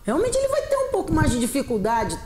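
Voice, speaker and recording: A woman's voice: high-pitched, fast talker, echoey room, noisy background. A middle-aged woman with a Carioca Brazilian accent, an English teacher chatting as a guest and acting out dialogue with laughs. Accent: Carioca Brazilian Portuguese. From Rio de Janeiro, Brazil. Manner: expressive, acts out quoted dialogue, laughs often. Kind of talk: animated interview chat.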